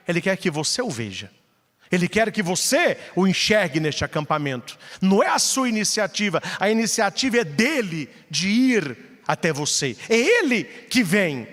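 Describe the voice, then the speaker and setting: A Brazilian man preaches a sermon to a large crowd, his voice pitched high for a man and swinging widely as he teaches. He slips into humorous little exchanges between spouses to make his points. The sound carries a long reverb from a big hall. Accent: Brazilian Portuguese. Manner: animated preaching, acts out couples' voices with humor. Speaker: priest. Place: large event venue.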